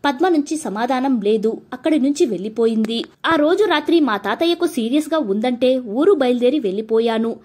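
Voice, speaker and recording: A woman narrating an audiobook story in Telugu, told gently and evenly. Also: sits high.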